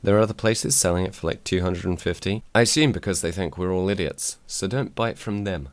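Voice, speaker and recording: A man's voice: fairly quick, no echo. A man, reviewing a microphone in a casual, dry, self-deprecating way. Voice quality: low voice. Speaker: tech reviewer. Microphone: desk microphone on a mic arm.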